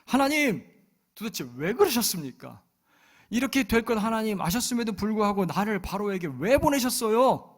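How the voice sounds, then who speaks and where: Pastor doing a high, whiny, aggrieved old prophet, gravelly edge, sermon voice. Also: male voice, animated, a little slow, long pauses, full character voice. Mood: complaining. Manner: whiny, complaining.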